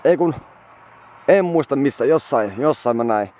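A man's voice: mid-range voice, animated, a little mellow, slight background noise. A worn-out young man vlogging from a moped trip, chatting casually to the camera and swearing often as he rambles on. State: exhausted. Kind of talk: casual travel vlog to camera.

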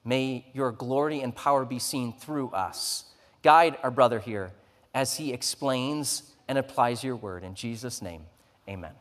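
Pastor in a reverberant church hall. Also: male voice, mid-range voice, unhurried. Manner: warm conversational, earnest. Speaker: lead pastor. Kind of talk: church announcements and introduction, then prayer. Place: church stage, large sanctuary.

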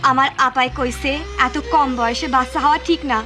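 A troubled teenage cartoon girl, played by a woman, who speaks in a pleading way. Her voice is high, and music plays under her lines. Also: fairly even intonation, brisk, lightly acted. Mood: anxious. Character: anxious teenage village girl. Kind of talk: cartoon voice acting.

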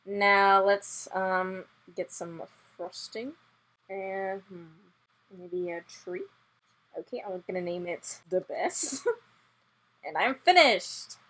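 A woman's voice: mid-range voice, slow pace, fairly bright tone. A woman hosting a gaming video, chatting casually and playfully teasing her co-player. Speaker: gaming channel host. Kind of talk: casual game commentary.

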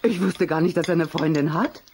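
A woman's voice: sits low, a little fast, a little mellow, a little hiss or hum, natural voice. A woman playing a concerned, disapproving middle-aged mother in a children's audio drama, pointed and reproachful. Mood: sceptical, reproachful.

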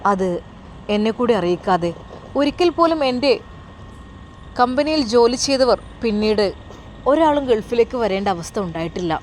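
A woman putting on a caring older Arab lady who employs the household staff, speaking in a soft, coaxing way and pressing gently with questions. The voice sits a little higher than the storyteller's own narration, with a faint hiss of background noise. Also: lively intonation, moderate pace, pauses often, natural voice. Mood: puzzled.

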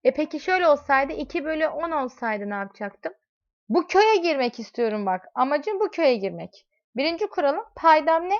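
Her voice high with big pitch swings and a slightly fast pace, a woman teaches math using everyday examples. Speaking to students in second person, she asks them questions throughout, all on a dull lo-fi recording.

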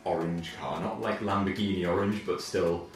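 A young Englishman with a low voice chats casually, pausing often mid-sentence. The room is very echoey, the mic sits at a distance and faint music plays behind him. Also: steady tone. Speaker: interviewee, car owner. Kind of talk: casual chat while playing a video game. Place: living room, indoors.

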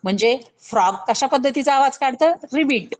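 Woman teacher with a Marathi accent, fairly high voice, patient exam-coaching delivery that checks in with the class. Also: expressive, low-quality recording. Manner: explains slowly, asks pupils rhetorical questions, imitates animal sounds. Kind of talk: scholarship exam coaching lesson. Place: recorded online lesson.

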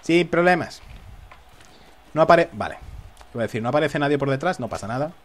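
A man's voice: a little high, lively intonation, brisk. A man giving live, jokey commentary on a shooter game and taunting the enemies. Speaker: gameplay commentator.

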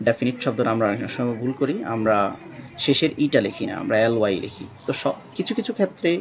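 A man whose first language is Bengali, teaching English spelling slowly and spelling words out letter by letter, with many pauses. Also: mid-range voice, expressive. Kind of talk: spelling lesson. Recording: dull lo-fi sound with faint background noise.

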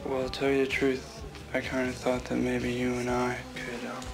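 Casting: man as earnest young romantic lead, low-key even delivery, hushed, 1980s teen film, music behind. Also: normal speed, vocal fry, close to an everyday voice. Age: young adult. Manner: quiet, understated.

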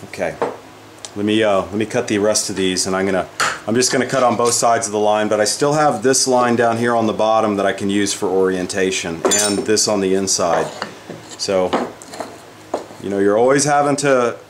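Heavy background noise surrounds an older man speaking at normal speed in a voice on the low side. He's a woodworking instructor in his shop giving a casual demonstration, thinking aloud as he works and frequently starting over mid-sentence.

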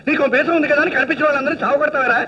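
Grumpy sarcastic husband: very high, very fast, sharp, heard from a distance on a lo-fi track. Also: male voice, steady tone. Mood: grumbling. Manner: grumbling, sarcastic, complaining. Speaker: husband of the aunt. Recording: distant, dull lo-fi film soundtrack.

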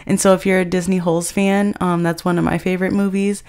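A woman's voice: lowish voice, level tone, quick pace, a little mellow, clear, resonant tone. An American woman talking casually in a chatty, rambling, conversational vlog voice-over. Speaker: vlogger.

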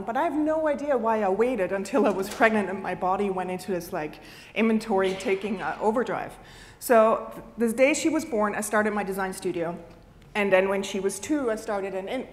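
A woman, giving a lively, self-deprecating conference talk on stage. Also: medium pitch. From Switzerland. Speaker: keynote speaker. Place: large conference hall. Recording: long hall reverb.

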